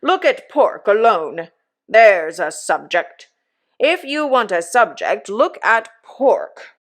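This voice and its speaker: A woman voicing a pompous, self-satisfied older uncle who lectures slowly and emphatically. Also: mid-range voice, sing-song, a bit bright, exaggerated voice. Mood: pompous lecturing.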